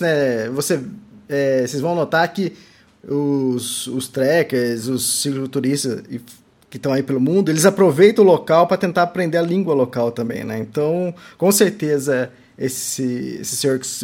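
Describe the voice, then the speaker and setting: A man's voice: a little high, a little mellow. A man interviewing travellers, friendly, often prompting with tag questions.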